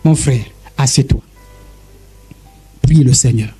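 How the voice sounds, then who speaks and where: A man preaching a sermon, emphatic and addressing listeners directly, with a husky voice. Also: medium pitch, slow, dark tone, soft background music. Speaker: pastor.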